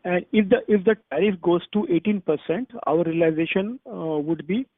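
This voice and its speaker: High-pitched man on phone. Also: normal speed. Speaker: analyst caller asking questions. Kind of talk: earnings call questions. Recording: narrow, dry phone line.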